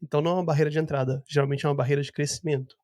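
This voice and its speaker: Fast-talking man, slightly high voice. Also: fairly even intonation, mellow, dry recording, clean studio sound. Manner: explains things in long, opinionated turns. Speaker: podcast host. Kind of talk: casual interview talk. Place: Vancouver.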